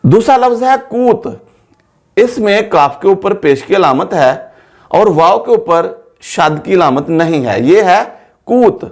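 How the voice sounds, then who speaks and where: A man teaching an Urdu pronunciation lesson, slowly repeating each word to show how it is said. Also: high voice, animated. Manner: slow, careful, repeats words to stress pronunciation.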